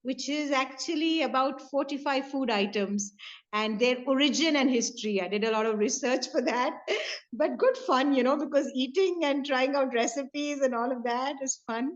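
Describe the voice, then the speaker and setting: A middle-aged Punjabi-speaking woman from north India, with an Indian English accent, appears as a poet guest on a casual video call. Her voice sits high and moves at normal speed, peppered with fillers and light laughter, and the call audio is dull and lo-fi.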